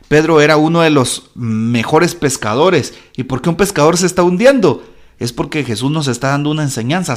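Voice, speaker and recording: A man, a Catholic priest, giving a fervent devotional reflection on the gospel, speaking straight to the listener and swinging from strong exhortation to soft, hushed passages. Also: medium pitch. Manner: fervent, repetitive preaching that swells loud and drops to a hush; addresses the listener directly and intimately.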